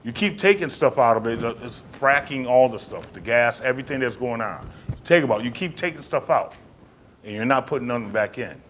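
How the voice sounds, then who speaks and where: A man's voice: medium pitch, lively intonation, brisk, fairly bright tone. A man giving an impassioned, informal answer on a panel, driving points home with rhetorical questions and repeated check-in tags. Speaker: panel speaker from the film's team. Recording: noisy live event room recording.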